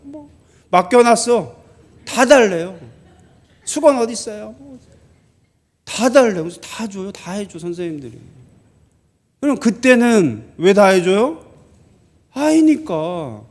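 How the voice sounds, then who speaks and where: A male pastor preaching a sermon in a church, conversational and full of questions to the congregation. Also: sits high. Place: church sanctuary.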